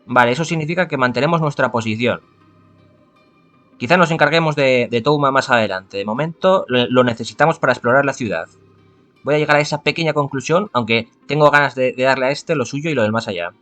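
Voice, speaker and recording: A man's voice: medium pitch, fairly bright tone, faint music behind. Chatty man reading a game aloud. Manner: chatty, thinks aloud, halting restarts. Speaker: let's-play host. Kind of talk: reading a visual novel aloud and commenting.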